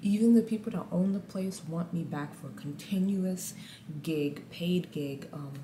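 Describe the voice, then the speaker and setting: A woman in her thirties with a deep contralto voice, talking candidly and animatedly to camera in a small room. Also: a little slow. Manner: candid, animated, says guys a lot. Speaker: vlogger. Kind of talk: casual motivational talk to camera. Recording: echoey room, faint ambient noise.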